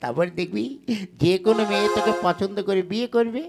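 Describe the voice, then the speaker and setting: A man's voice: high voice, fast, vocal fry, music in the background. A man voicing a sly, boastful young village rogue who talks in a wheedling, colloquial way in a comic puppet play.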